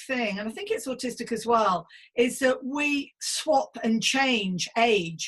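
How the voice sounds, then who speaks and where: Speaking in a normal speaking voice, a woman uses a fairly high pitch with ordinary pitch variation at a fairly slow pace. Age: 50s. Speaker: podcast host and psychotherapist. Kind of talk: casual interview chat. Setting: podcast recording.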